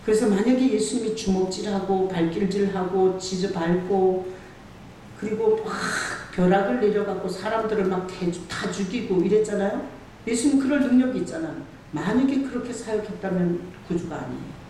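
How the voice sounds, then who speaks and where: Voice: medium pitch, moderate pace, warm tone. Pastor preaching hard in a big echoey church, mic way off, keeps asking the crowd questions. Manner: emphatic, asks the congregation rhetorical questions. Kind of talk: sermon. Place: church sanctuary. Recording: very echoey church hall, far from the mic, faint hiss.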